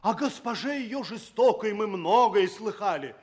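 An anxious, devoted servant in an old radio stage drama. The voice is high and husky, slow and lamenting, with emotional, drawn-out verse. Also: male voice, lively intonation. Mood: mournful, urgent. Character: anxious, devoted male servant warning his prince. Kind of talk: theatrical verse declamation, 1960s radio stage play.

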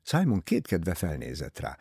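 A male audiobook narrator telling the story steadily. His voice is deep and gravelly with a husky grain, and he moves it up and down with lively pitch. The recording is dry and close. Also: no room sound. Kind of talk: scripted narration.

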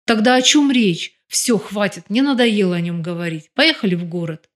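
Woman narrator voicing a brash, sharp-tongued lady crime boss, audiobook. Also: mid-range voice, moderate pace, close to an everyday voice. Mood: defiant. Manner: sharp, cutting.

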